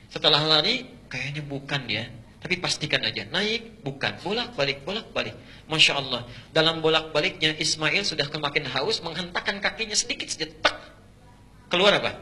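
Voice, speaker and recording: Middle-aged guy preaching, really bright voice, goes big and loud then drops soft. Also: a little high, slight background noise. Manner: dramatic swings from loud recitation to soft storytelling. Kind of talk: sermon.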